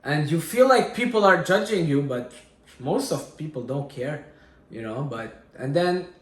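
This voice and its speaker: Young man from Syria, late twenties, candid reflective vlog, slightly high voice, roomy echo. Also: lively intonation, a little slow. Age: 20s. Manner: candid, searching, repeats phrases with many fillers. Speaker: fitness vlogger. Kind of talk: personal reflective monologue.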